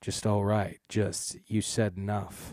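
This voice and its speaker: This man puts on a character voice at a fairly low pitch. He speaks at a fairly slow pace. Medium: read story. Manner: terse, curt.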